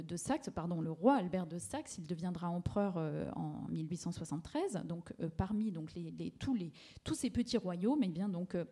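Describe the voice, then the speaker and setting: A woman's voice: medium pitch, mellow. A woman giving a public lecture on paintings, talking through slides with many fillers and restarts. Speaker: art historian lecturer.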